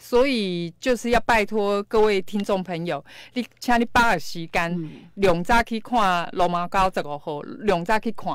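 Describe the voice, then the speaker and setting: At a fairly slow pace, a woman speaks in a normal speaking voice with a medium pitch and ordinary pitch variation, the sound dry with no echo against a quiet background. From Taiwan. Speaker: film director; guest. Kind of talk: radio interview. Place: studio. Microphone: studio mic.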